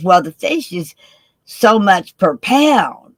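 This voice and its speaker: A put-on character voice from a man, high-pitched and raspy, with very wide pitch swings and a dry, close sound free of echo. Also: very slow pace. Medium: solo performance.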